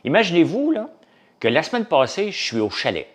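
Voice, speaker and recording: A man's voice: fairly high pitch, wildly swooping pitch, fairly quick. A man with a Québécois French accent, a farmer and business owner, chatting casually to a live audience and rambling from topic to topic with many fillers.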